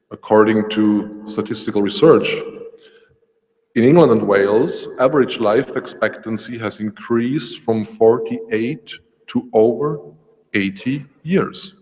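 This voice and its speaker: A man with a Swiss German accent giving a prepared talk on a panel, in a measured, deliberate way. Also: mid-range voice, a little mellow. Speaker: panel speaker. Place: public lecture hall. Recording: reverberant lecture hall.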